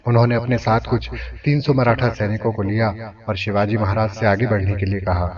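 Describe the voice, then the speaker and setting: A man narrating a scripted historical story in a formal, dramatic manner. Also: on the low side. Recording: distant, dull lo-fi, crowd noise behind.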